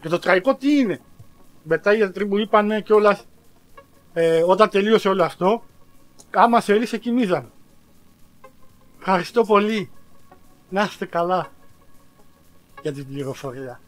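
A man vlogging in a casual storytelling style, animated and self-mocking, who talks straight to his viewers with slang and big exaggerated outbursts. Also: high voice, long pauses, no echo, faint music behind.

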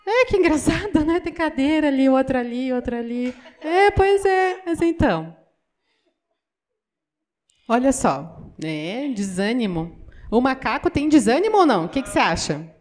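A Brazilian woman voicing a deaf pastor's sermon in an animated way, asking the audience many questions and acting out what people say. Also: high voice, measured pace. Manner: acts out quoted everyday voices. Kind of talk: interpreted sermon.

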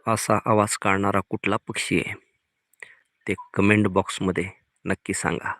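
A man talking quietly outdoors near trees, pointing out birdsong to his viewers in a casual nature vlog. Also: lowish voice, little pitch movement, normal speed, no room sound. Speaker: nature vlogger.

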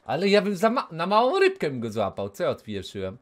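A man in his thirties streaming a game from a small room on a headset mic, talking casually, cursing and yelling at the game, sometimes dropping to a whisper. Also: a little high, quick pace. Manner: excitable, swears, yells at the game, then drops to a whisper. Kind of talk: casual live gameplay commentary.

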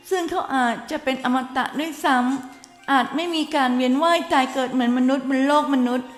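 A woman with an Isan accent giving earnest, cautionary commentary as a news commentator. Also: high-pitched. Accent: Isan Thai. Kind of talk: moralizing commentary. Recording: echoey room with long reverb and faint music.

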